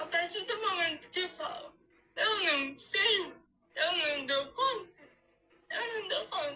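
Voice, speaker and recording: This woman speaks in an extremely high, raised and projected voice with a bright, sharp tone, very wide pitch swings, a very slow pace and long, frequent pauses. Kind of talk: public talk.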